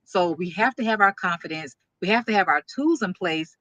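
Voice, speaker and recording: A woman's voice: lowish voice, animated, a little fast, a bit bright, dry recording. A woman hosting a business interview show, talking in an upbeat, enthusiastic, promotional way. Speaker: podcast host and speaking coach.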